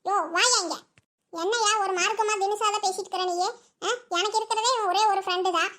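A woman's voice: very high-pitched, steady tone, fairly quick, sharp tone. A woman voicing a chatty young village wife in a cartoon, with a Kongu Tamil accent and a sing-song, pleading way of talking. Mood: sulky. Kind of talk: cartoon voice acting.

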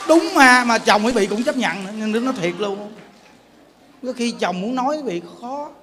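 A man's voice: sits high, moderate pace, fairly bright tone. A man with a Southern Vietnamese accent, a Buddhist monk giving a sermon in a colloquial, joking way and often asking his listeners questions. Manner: colloquial and joking, peppers talk with questions to the audience. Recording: long hall reverb, faint background noise.

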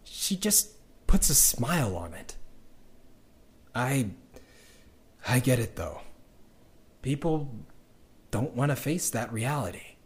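An actor playing a bitter, hopeless man recording a diary in an audio drama, conversational, halting and cynical. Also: mid-range voice, very animated. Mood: resigned.

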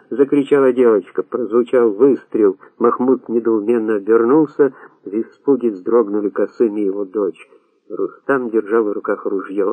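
A man narrating an audiobook in a steady, dramatic reading style. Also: medium pitch, slightly rough, no room sound. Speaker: audiobook reader. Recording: tinny phone-like sound.

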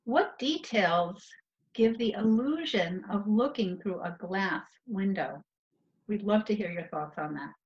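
A woman's voice: medium pitch, animated, unhurried. A middle-aged woman curator giving educational art commentary and putting questions to viewers from a room at home over a video call. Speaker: museum curator. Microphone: computer mic on a video call. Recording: dull, lo-fi video call audio.

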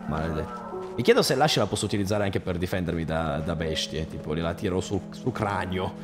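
A man commentating his own survival game playthrough, excitable and swearing, shouting at the enemies. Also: deep voice, a little fast. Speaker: gaming streamer. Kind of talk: let's play commentary. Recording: music in the background.

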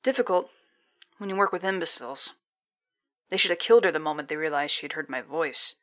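Audio drama villain: actress as menacing spy commander woman, lowish voice, imperious and mocking. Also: lively intonation, fairly quick, fairly bright tone. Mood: menacing, gloating. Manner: condescending, taunting, menacing.

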